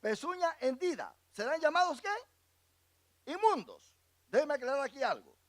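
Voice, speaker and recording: A man's voice: very high voice, big pitch swings, normal speed, a bit bright. A male pastor teaching a Bible class, reading verses aloud and asking the congregation questions for them to answer. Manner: asks the congregation questions and lets them fill in words; reads scripture verses aloud and explains them.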